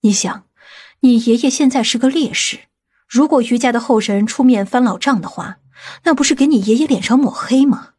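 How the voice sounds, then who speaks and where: A woman playing a stern, commanding woman from a powerful family in an audiobook drama, speaking gravely and deliberately. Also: fairly high pitch, dark tone. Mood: grave, persuading.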